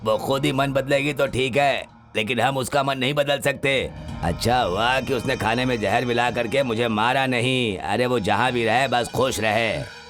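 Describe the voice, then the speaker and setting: A man's voice: mid-range voice, normal speed, a bit bright, natural voice. Man doing a bitter, brooding man scorned in love. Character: bitter, lovelorn man who distrusts women. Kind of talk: Hindi film dub. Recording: film soundtrack with music.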